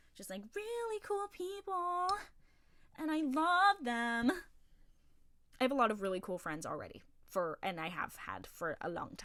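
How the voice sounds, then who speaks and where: A woman with an American accent speaks loudly at a high pitch with an animated tone and very wide pitch swings. Her pace is moderate, with long, frequent pauses. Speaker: podcast host. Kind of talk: casual chat.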